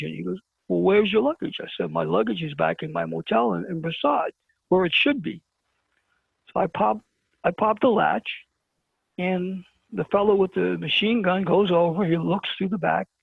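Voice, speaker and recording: Brooklyn-accented man, high gravelly voice, husky, phoning in to tell his story; call-in guest. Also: no room sound. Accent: New York (Brooklyn). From Brooklyn, New York. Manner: animated storyteller who acts out dialogue. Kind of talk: telling a personal story on a talk show. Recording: tinny phone-line call-in.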